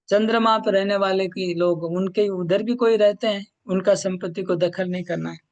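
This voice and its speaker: Male teacher, scripture lecture, slow and emphatic, repeats himself, a little high-pitched. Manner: slow, emphatic, repetitive explaining.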